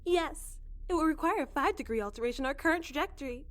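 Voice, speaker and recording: A woman's voice: high voice, lively intonation, quick pace, fairly bright tone, voice pushed up. A woman voicing a polite, literal spaceship computer in a science fiction audio drama, formal, precise and impassive. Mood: impassive, dutiful.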